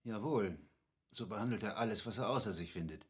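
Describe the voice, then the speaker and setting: Learned captain, husky and measured. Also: male voice, lowish voice. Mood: grave. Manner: measured, didactic, formal. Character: learned, courteous captain patiently explaining, a cultivated man. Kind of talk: classic German radio play acting.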